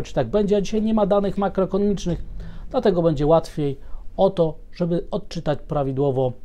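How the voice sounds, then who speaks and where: A man presenting a market commentary to viewers, explaining in a measured way, often pausing on filler sounds and restarting phrases. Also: a little high, mellow.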